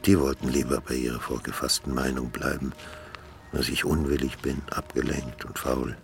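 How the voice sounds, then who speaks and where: A man's voice: extremely low pitch, level tone, normal speed, gravelly, faint music behind. An actor playing a withdrawn, resentful architect recalling his studies. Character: withdrawn sullen male architect, former student.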